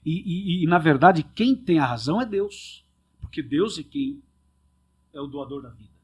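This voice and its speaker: A man hosts a podcast as a pastor. He teaches from the Bible in a casual, earnest way and keeps asking his listeners rhetorical questions. His voice sits a little high and sounds husky. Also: big pitch swings, normal speed, darkish tone.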